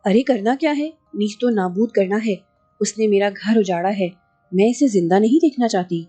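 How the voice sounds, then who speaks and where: A woman's voice: mid-range voice, warm tone, faint music behind, natural voice. A woman voicing a haughty, wealthy woman in her forties who is impatient and vengeful. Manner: imperious, demanding.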